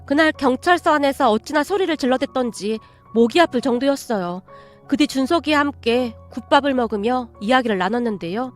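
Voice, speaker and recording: A woman narrating a first-person radio story in a steady storytelling way. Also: high-pitched, a little fast, faint music behind.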